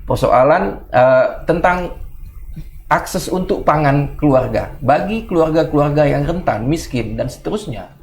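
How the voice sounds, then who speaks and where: A man from Medan with a gravelly, creaky voice, talking earnestly as a guest on a community panel. He pitches up and speeds along when making a joke and laughs easily. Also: expressive, a little slow. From Medan, Indonesia. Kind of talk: casual panel talk.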